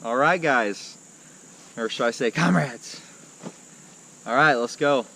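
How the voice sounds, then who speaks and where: A man hosting a casual vlog, talking to his viewers in a halting, folksy way, outdoors. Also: medium pitch, creaky, bright, forceful tone, a little hiss or hum. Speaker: vlog host.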